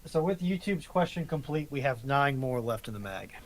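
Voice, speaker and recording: A man's voice: mid-range voice, animated, normal speed. A man chatting casually and a little hesitantly as a panelist in a group discussion. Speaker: panelist reading out audience questions.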